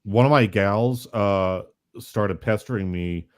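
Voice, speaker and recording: Male panelist, lowish voice, wry anecdotal storytelling. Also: slow. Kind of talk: casual storytelling.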